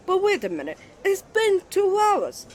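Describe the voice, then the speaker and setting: Man playing a jealous, excitable young twin. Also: very high-pitched, measured pace, heavily acted. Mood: indignant. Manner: indignant, dramatic, stammering when flustered. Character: jealous, flustered young male student, protective twin brother. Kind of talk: ASMR romance roleplay.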